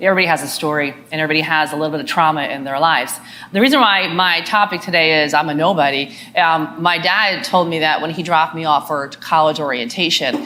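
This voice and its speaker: A woman with an American accent speaks at a very fast pace in a very deep, low voice. Audible room echo and noticeable background noise fill the recording. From Philadelphia, US. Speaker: business owner and speaker. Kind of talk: fireside chat on stage. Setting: stage with audience. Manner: animated.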